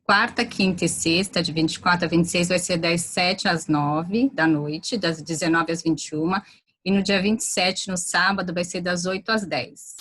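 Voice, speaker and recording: A woman's voice: fairly low pitch, steady tone, moderate pace, fairly bright tone. A woman teacher explaining a literacy concept step by step in a live discussion, often restarting her sentences.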